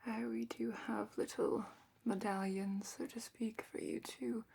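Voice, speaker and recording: A woman playing a weary, wry, slightly superior female official at a dragon academy, in a soft whispered ASMR roleplay. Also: mid-range voice, creaky, slightly rough, full character voice. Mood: smug. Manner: slow, dry, slightly superior, formal.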